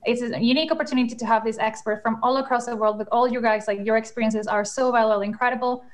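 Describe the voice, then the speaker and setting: A woman's voice: fairly high pitch, steady tone, quick pace. A young woman hosting a panel over a video call, upbeat and enthusiastic, with frequent fillers. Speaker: panel moderator. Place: home room, in England.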